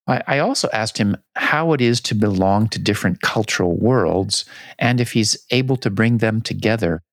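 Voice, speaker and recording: A man co-hosting a podcast, calmly introducing recorded interview clips. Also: lowish voice, moderate pace, dry recording, clean studio sound. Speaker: podcast co-host.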